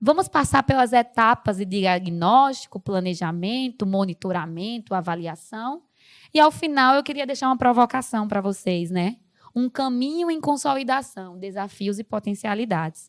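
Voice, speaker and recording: A woman's fairly high voice with lively intonation, in a dry, close sound with no echo. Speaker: university professor. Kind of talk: lecture. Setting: stage with audience. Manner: fast.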